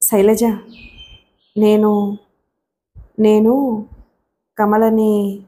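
A man's voice: high voice, fairly even intonation, mellow, natural voice. A woman voicing a hesitant young man who stammers, in a storybook reading. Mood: nervous. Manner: stammering, halting.

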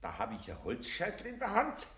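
A man's voice: on the high side, huge pitch swings, fairly quick, fairly bright tone, husky, exaggerated voice. A man playing a grumbling but good-natured older master carpenter with a Bavarian accent in an audio drama. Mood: puzzled, startled. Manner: muttering to himself, exclaiming.

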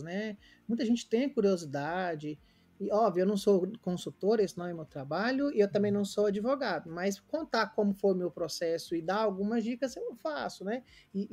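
Speaking Brazilian Portuguese, a Goiânia man in his late thirties recounts his story as a guest on a casual remote interview. His high, warm voice carries an earnest, reflective manner, with plenty of fillers and false starts.

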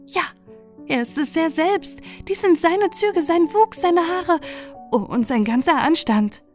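A woman voicing an eager young lady's maid in a fairy-tale audiobook, speaking in a raised, animated voice. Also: very high-pitched, a little slow, soft background music, voice pushed up.

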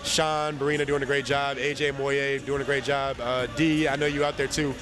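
A man's voice: medium pitch, little pitch movement, moderate pace. A young man speaking as an interview guest in an empty indoor arena, slightly nasal from a cold, easygoing and rambling into a handheld mic. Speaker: interview guest, basketball player. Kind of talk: casual interview chat.

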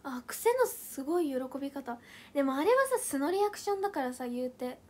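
A young woman hosting a casual livestream. She reads viewer comments aloud, reacts with quick playful questions, counts things off aloud and thanks her viewers one by one by name. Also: high-pitched, big pitch swings, darkish tone. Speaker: idol group member hosting a livestream.

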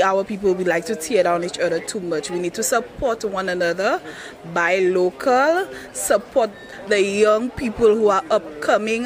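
Earnest woman, crowd behind. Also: mid-range voice. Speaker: street interviewee.

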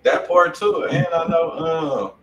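A man's voice: a little high, takes it slowly, fairly bright tone, muffled recording. An American man co-hosting a music stream with casual, slangy banter from a home studio. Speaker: co-host of music review stream. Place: home studio room, indoors. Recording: echoey, distant, slightly noisy room.

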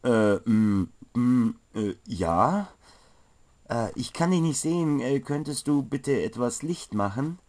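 A man's voice: mid-range voice, lively intonation, slow pace, darkish tone, voice pushed up. A man playing a clumsy, easily annoyed, sturdy wizard's apprentice who hesitates and stammers in a fantasy audio story. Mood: confused. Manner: hesitant, stammering with filler sounds.

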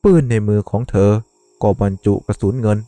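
A man narrating a dramatic horror story in a measured, suspenseful way. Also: fairly low pitch, flat delivery, dark tone, dry recording. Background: faint music.

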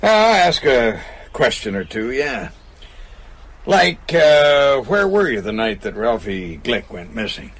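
Gravelly, folksy small-town constable. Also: male voice, mid-range voice, very animated, fairly bright tone, exaggerated voice. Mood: quietly probing. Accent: American. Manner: folksy, slow-probing, dryly understated. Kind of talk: radio drama acting.

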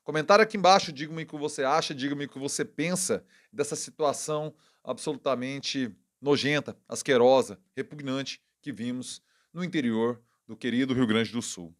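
Indignant and wry, a male channel host with a Brazilian Portuguese accent talks politics casually in a mid-range voice, quickly correcting himself along the way.

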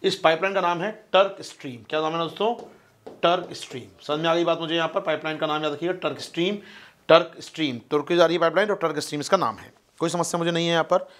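A fast-talking man teaching an online exam-prep class, his voice sitting fairly high. He keeps asking his listeners questions and answering them himself, and he calls them his friends. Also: steady tone, fairly bright tone. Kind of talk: online lecture explaining a map.

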